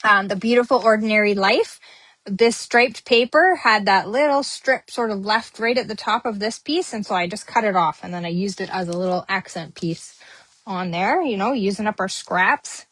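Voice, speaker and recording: A woman's voice: medium pitch, moderate pace, fairly bright tone, no echo. Chatty woman crafting host, dry sound. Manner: chatty, many ums, talks while working. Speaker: papercrafting host. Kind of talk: casual crafting tutorial.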